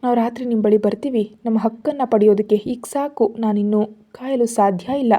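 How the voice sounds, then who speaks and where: A woman voicing a cold, expressionless young gangster who speaks in flat threats. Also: on the high side, normal speed, natural voice.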